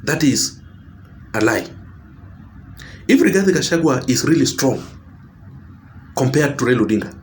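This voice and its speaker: A Kenyan-accented man talking straight to his audience in a political commentary vlog. His pitch sits in an ordinary middle range. He hammers his points home with repetition and stops to correct himself with "I mean". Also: very animated, normal speed, pauses often, a little hiss or hum. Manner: emphatic and repetitive, corrects himself mid-sentence.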